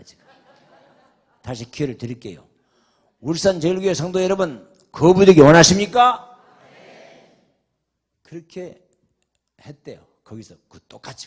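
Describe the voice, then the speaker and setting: An older male pastor preaching a revival sermon, telling a story dramatically, swinging from shouted questions to a hushed murmur. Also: medium pitch, breathy edge.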